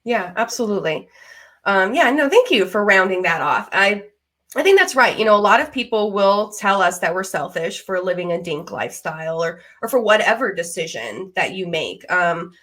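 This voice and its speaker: A woman in her thirties hosts a podcast with a medium-pitched voice. She talks informally and conversationally, with an enthusiastic, affirming manner toward her guest. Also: very animated, normal speed, fairly bright tone. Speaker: podcast host. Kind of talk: casual conversational interview.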